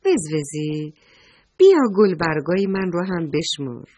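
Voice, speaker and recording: Storybook white flower, sweet and curious, soft and wondering, breathy, as a woman plays her. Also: low-pitched, sing-song, dry recording, heavily acted.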